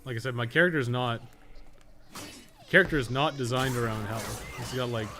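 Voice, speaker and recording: Male game streamer, mid-pitched, casual and sweary, muttering play-by-play with noticeable background noise. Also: moderate pace. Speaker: game streamer, podcast host. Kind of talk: casual live gameplay commentary.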